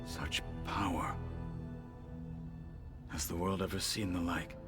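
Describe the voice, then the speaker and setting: An actor playing a proud, battle-hardened tribal warrior in a video game, gravelly, with formal and solemn speech. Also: male voice, low voice, level tone, slow pace, over music. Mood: measured, earnest. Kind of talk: dramatic video game acting.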